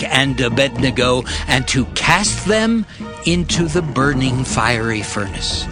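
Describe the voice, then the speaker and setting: A man narrating dramatized scripture in a solemn, deliberate storytelling manner. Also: a little high.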